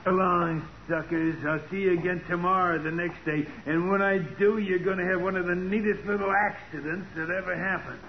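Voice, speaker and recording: An actor playing a menacing, wisecracking gangster in a 1940s radio crime drama, with tough, mocking, slangy talk. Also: male voice, high voice, fairly even intonation, normal speed, few pauses. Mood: gloating. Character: menacing wisecracking gangster Joe, sneering and cold. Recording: muffled noisy 1940s radio recording.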